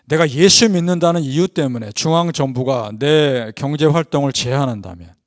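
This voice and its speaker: Male pastor, dawn prayer sermon; earnest, swells on key points, drops low at line ends; slightly higher voice, dry close mic. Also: dry recording. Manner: earnest preaching, rising with emphasis then dropping low; leads congregation in scripture reading. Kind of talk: early-morning prayer sermon.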